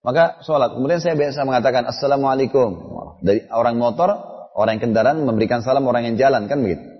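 A man's voice: medium pitch, fast talker. A middle-aged man giving a religious lecture, telling family stories in a conversational way and acting out dialogue. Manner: storytelling, conversational with quoted dialogue. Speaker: preacher. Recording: dull lo-fi audio with long hall reverb.

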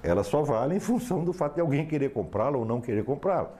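A man's voice: mid-range voice, expressive, quick pace, warm tone. A man giving a philosophy lecture to a class, emphatic and sardonic, often asking for assent.

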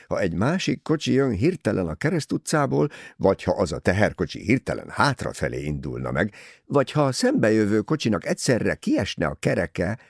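A man's voice: lowish voice, vocal fry, a little mellow, no room sound, clean studio sound, pitched above the performer's own voice, full character voice. Poirot, a man doing a wise old detective. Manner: measured, lecturing, philosophical. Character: wise, gently ironic older male detective.

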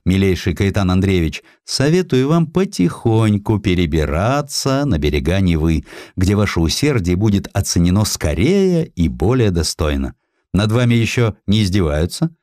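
A man voicing a blunt, patronizing count in audiobook dialogue, gruff and condescending. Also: deep voice, big pitch swings, normal speed, a little mellow, no echo, studio quality. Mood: irritated, advising.

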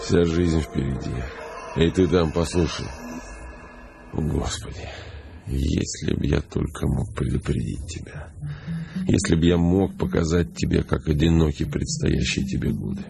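An actor playing a lonely, despairing man of eighty stranded on Mars, weary and halting in a radio drama. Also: very deep voice, full character voice. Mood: anguished, pleading. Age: older. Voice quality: gravelly, creaky, breathy at times. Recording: background music under the voice.

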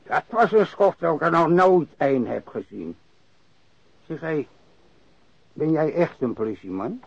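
An actor playing a crusty old warehouse worker and ex-sailor who grumbles and rambles bluntly, in a radio drama. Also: male voice, on the high side, animated, measured pace, vocal fry, slightly rough, no room sound, heavily acted. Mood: gruff. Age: older. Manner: grumbling, rambling, cursing, repeats himself. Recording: dry, dull lo-fi radio recording.

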